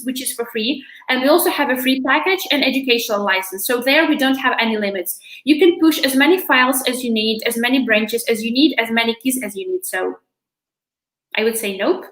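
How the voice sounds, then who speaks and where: Young woman demoing software on a webcam call, high-ish voice, lots of fillers, echoey room. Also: a little fast. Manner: chatty, many fillers like "you know". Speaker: presenter from a localization company. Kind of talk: live demo and Q&A on a video call. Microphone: video call webcam.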